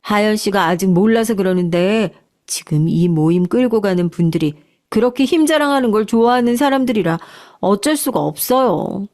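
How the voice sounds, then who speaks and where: A woman voicing a weary, resigned office worker's wife who confides in a hushed way. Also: medium pitch, lively intonation, normal speed, close to an everyday voice. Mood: confiding.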